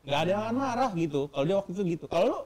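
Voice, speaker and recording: A male podcast host asks curious, probing questions in relaxed Jakarta slang. His voice sits a little high for a man. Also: racing, a crowd in the background. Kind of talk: casual interview questions.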